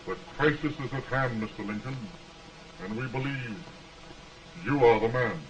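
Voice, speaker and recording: An actor in an early talkie film playing an earnest, formal political delegate with an oratorical way of talking, on an old noisy soundtrack. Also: male voice, medium pitch, moderate pace, recorded from a distance, natural voice. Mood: urgent.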